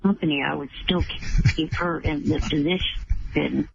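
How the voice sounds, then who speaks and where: A male caller with a fairly high, creaky voice talks very slowly and haltingly. He sounds earnest and formal over a dull phone connection. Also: steady tone. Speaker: radio show caller. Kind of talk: phone-in chat. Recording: dull phone call with faint noise.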